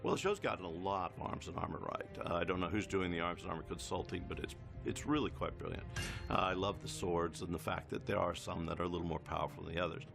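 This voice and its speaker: Deep croaky guy chatting history for a documentary, heavy vocal fry, music behind. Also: fast. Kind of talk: informal interview commentary. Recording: loud music bed behind voice.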